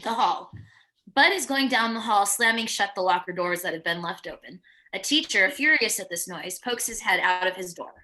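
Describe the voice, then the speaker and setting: A woman's voice: mid-range voice, expressive, normal speed, sharp tone. A woman narrating screenplay stage directions in a plain descriptive reading, with the occasional stumble, at a virtual table read.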